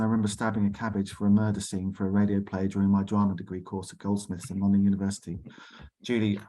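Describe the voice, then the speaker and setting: A man hosting an arts discussion on a video call in a chatty, enthusiastic way. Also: on the low side. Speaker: host.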